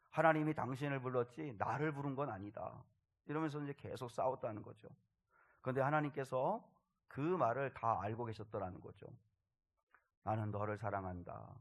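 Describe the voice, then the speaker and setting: A male pastor delivering a sermon in a mid-pitched voice. He tells the story earnestly, letting his voice sink low and quiet and then rise with more force. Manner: earnest storytelling, soft drops and swells in loudness.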